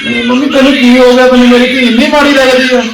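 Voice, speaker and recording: A man's voice: extremely high pitch, flat delivery, quick pace, vocal fry, echoey room, recorded from a distance, heavy background noise. An actor playing a young Punjabi father who scolds his mother for rejecting his baby daughter, speaking in a Punjabi accent. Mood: worried. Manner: reproachful. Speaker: husband and son. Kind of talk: short-film drama acting.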